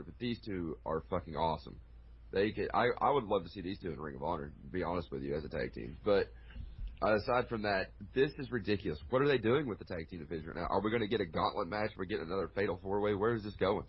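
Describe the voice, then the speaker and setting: A man's voice: low-pitched, expressive, fast, breathy edge, muffled recording. A man talking bluntly as a guest on a casual wrestling podcast, ranting with plenty of swearing.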